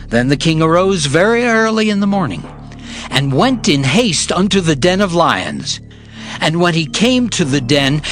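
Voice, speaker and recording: A man narrating scripture dramatically, in a solemn storytelling manner. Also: a little high. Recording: clear music behind the voice.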